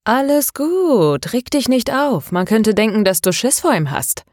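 Sly small man, calm, teasing, raised pitch, woman doing the voice, audiobook. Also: unhurried, no room sound, clean studio sound. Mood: calm, needling.

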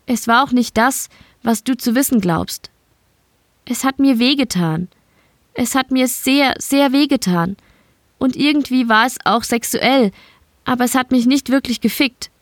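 A woman's voice: high voice, measured pace, no echo, clean studio sound, pitched above the performer's own voice. A woman voicing a beaten young female prison guard who speaks bitterly and reproachfully in an audiobook. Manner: reproachful, pointed.

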